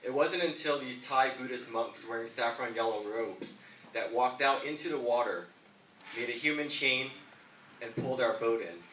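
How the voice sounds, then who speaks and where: A man's voice: mid-range voice, moderate pace, a bit bright, slight background noise. A man, a mayor running for office, answering in a political debate with an earnest, storytelling manner. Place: debate hall. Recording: echoey hall from far off.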